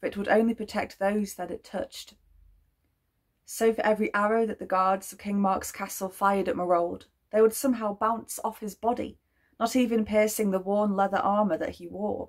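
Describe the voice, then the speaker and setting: A woman at a medium pitch uses a dramatic tone, though her intonation stays monotone and flat. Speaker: storyteller and course teacher. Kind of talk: storybook legend reading, slow fairy-tale narration. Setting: solo video recording. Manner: measured, soft storyteller pacing with dramatic phrasing; casual, chatty and friendly in intro.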